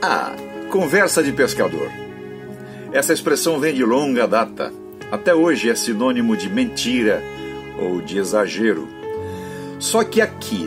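An older man, a pastor, telling a Bible story in a sermon to camera from his home study, gesturing as he talks. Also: mid-range voice. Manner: expressive storytelling with hand gestures.

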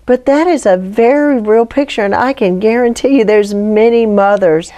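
A woman's voice: on the high side, normal speed, dark tone. A woman guest on a Christian talk show, speaking earnestly and preacherly. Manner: earnest, preacherly, rising to pleading near the end. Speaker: guest, ministry founder.

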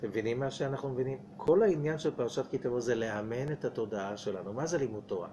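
A man's voice: medium pitch, warm tone, a little hiss or hum. A man, a rabbi giving a weekly Torah portion lecture. He asks the audience rhetorical questions and acts out little dialogues. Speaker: rabbi teaching Kabbalah.

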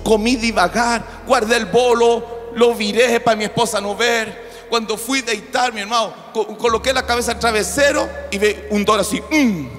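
A male pastor with a Brazilian Portuguese accent, preaching in Spanish as a second language, with shouted declarations and joking storytelling. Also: very high voice, steady tone, normal speed, hardly any pauses. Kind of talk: charismatic preaching. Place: church hall. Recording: reverberant church hall with music.

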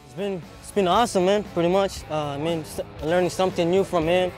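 Earnest young man, halting interview talk. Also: high-pitched, a little mellow. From Palau, raised in Hawaii. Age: young adult. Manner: earnest, hesitant, says "man" often. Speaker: program student. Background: music bed.

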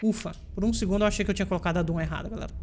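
A woman with a Brazilian Portuguese accent hosting a let's play, chatty and playful, teasing the enemies out loud as she plays. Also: medium pitch, very fast, slight background noise. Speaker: gaming channel host.

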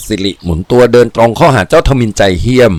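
A man narrating a crime adventure novel in a steady, vivid storytelling voice. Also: medium pitch, fast, no echo. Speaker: audiobook narrator. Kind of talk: dramatic audiobook reading.

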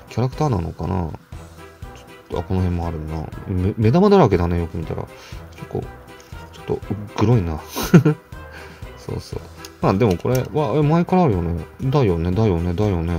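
A man talks casually as he opens toy cars, muttering and chuckling to himself. His voice is low and mellow with a gravelly edge. His pitch swings a lot as he goes, and faint music plays under his talk. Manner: muttering to himself, chuckling, self-answering asides. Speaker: toy car collector vlogger. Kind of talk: casual unboxing chat.

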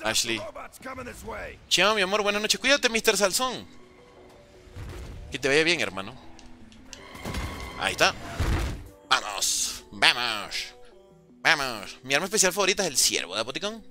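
A man, excitedly commentating his own gameplay on a live stream. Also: sits high, normal speed, long pauses, soft background music. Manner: excitable, shouts and pleads at the game. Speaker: gaming streamer.

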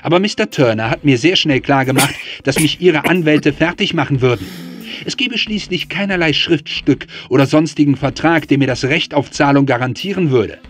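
A man's voice: a little high, moderate pace, close to an everyday voice. An actor playing a vengeful, sardonic gunman in a German audio drama, speaking with controlled menace. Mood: bitter, sardonic. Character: vengeful, bitter man holding a family at gunpoint.

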